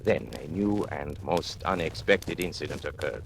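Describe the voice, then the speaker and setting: An actor playing a sinister agent who narrates and taunts powerful men in theatrical 1940s radio acting. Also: male voice, very deep voice, moderate pace, gravelly, background noise. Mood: calm. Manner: menacing, mocking, theatrical. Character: sinister male confidential agent turned blackmailer.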